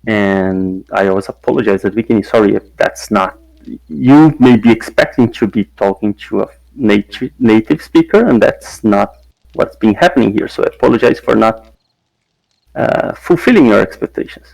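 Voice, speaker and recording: A man's voice: lowish voice, a little fast, vocal fry, darkish tone, no echo, rough recording. A middle-aged man whose first language is not English, chatting earnestly on a stream and explaining himself at length. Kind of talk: casual stream chat.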